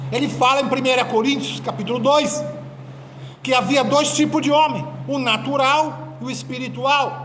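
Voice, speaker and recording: Over noticeable background noise, a man speaks at a moderate pace, with audible echo from the room. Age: 60s. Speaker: pastor. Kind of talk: sermon.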